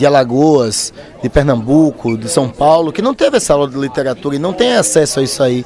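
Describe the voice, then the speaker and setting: There is noticeable background noise as a man speaks at a fairly high pitch. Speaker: literature teacher and video-lesson creator. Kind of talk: interview.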